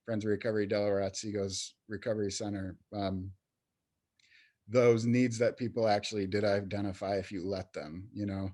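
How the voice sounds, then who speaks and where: Man, low voice, dark mellow tone, hesitant speech full of fillers, podcast guest interview. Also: steady tone, moderate pace. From New York State, USA. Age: adult in recovery, peer professional. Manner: hesitant, many fillers and restarts. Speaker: youth recovery program coordinator, guest.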